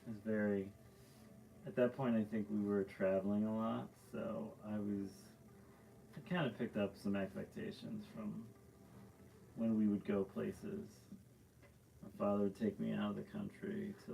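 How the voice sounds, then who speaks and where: A low-pitched man with a gravelly, fry-edged voice talks in a relaxed, rambling way, full of fillers and side turns. He is a painter chatting to his live viewers from his studio while he works, with a faint hiss of noise behind him. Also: poor audio. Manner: rambling, loose storytelling with many fillers. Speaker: painter hosting a live stream. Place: art studio.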